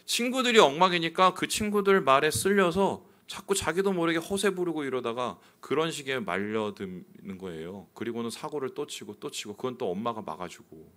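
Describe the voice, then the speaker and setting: A male pastor preaching a sermon, telling a personal story candidly and swinging suddenly between loud and quiet. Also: mid-range voice, animated, moderate pace, hardly any pauses.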